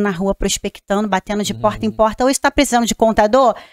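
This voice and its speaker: In a dry sound with no echo, a woman speaks at a fairly high pitch. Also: quiet background. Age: 30s. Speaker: accounting firm entrepreneur; podcast guest. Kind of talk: casual interview chat. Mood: warm, faith-filled storytelling. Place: studio. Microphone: studio mic.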